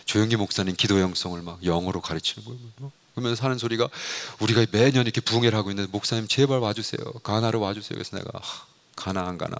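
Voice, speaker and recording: A middle-aged man, a pastor and missionary, preaching a sermon in an animated storytelling way, acting out dialogue and sometimes shouting. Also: lowish voice, rapid-fire, vocal fry.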